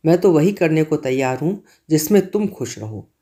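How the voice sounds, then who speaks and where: A man voicing an earnest young man in a storybook reading who gently coaxes and persuades. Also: a little high, sing-song, normal speed.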